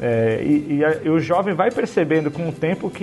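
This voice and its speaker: A fairly high-pitched man at a moderate pace, his pitch swinging very widely, with music in the background. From Santos, São Paulo state, Brazil. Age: 30s. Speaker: evangelical church member. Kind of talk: casual panel discussion.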